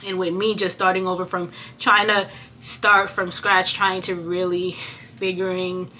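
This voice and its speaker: A young woman speaks openly to her viewers, stumbling and repeating words through a stutter. Her voice is slightly low but bright and forceful. A faint ambient hum sits under the recording. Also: little pitch movement, unhurried. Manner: earnest, reflective, addresses viewers directly. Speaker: vlogger. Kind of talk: candid personal vlog talk.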